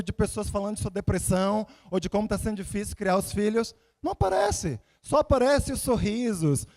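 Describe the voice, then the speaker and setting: A male preacher with a notably high-pitched voice. He delivers a conversational sermon like a storyteller, repeating phrases for emphasis and putting rhetorical questions to his listeners. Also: a little mellow. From Salvador, Bahia, Brazil. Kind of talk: conversational sermon with personal anecdotes and scripture readings.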